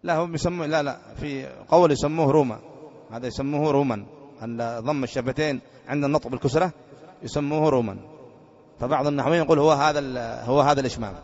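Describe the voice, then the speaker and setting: A man's voice: medium pitch, quick pace, a little mellow. A man teaching a classroom grammar lesson, quizzing his students with repeated questions. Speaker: sheikh teaching Arabic grammar. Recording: muffled recording in a reverberant hall.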